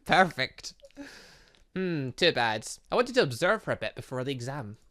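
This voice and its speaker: A man's voice: mid-range voice, big pitch swings, normal speed, pushed and bright. A man doing let's-play commentary, reading visual novel dialogue aloud with jokey asides and frequent stumbles. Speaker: gaming video host.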